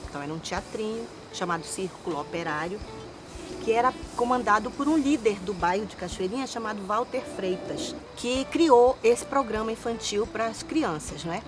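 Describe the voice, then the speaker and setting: Older female singer, lively storyteller, lapel mic outdoors, light music bed. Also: mid-range voice, normal speed. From Manaus, Brazil. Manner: animated, lively storyteller with hand gestures. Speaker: singer guest. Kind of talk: storytelling interview answers. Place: outdoors in a forest park.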